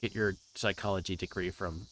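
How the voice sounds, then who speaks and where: A man with a fairly low voice streams a visual novel. He moves between reading the text aloud and informal, halting commentary as he thinks aloud. There is noticeable background noise with chirping insects behind him. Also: fairly even intonation, a bit bright.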